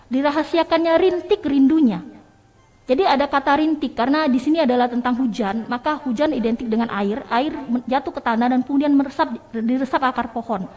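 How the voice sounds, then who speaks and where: A woman teacher giving a radio lesson, explaining step by step and addressing her listeners warmly as children. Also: sits high, quick pace, hardly any pauses. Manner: explains step by step, calls listeners "nak" and "sayang".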